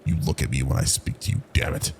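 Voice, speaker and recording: A man voicing a cruel, domineering middle-aged aunt in a horror story, menacing and commanding, with a gravelly voice. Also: quick pace, a little hiss or hum, lightly acted. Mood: stern, commanding.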